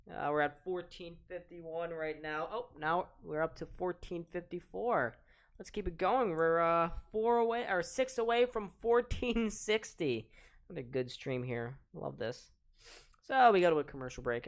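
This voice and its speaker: Soft-voiced teen man calling hockey. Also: on the high side, clear, resonant tone. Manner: chatty, reads chat aloud and talks to viewers between plays. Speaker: play-by-play commentator and stream host. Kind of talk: live-stream hockey play-by-play, casual.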